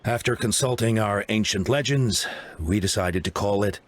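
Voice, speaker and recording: An actor playing a grave, composed tribal leader in a video game, speaking in a formal, measured way. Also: male voice, lowish voice, close to an everyday voice. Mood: grave, explanatory. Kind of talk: scripted game voice acting.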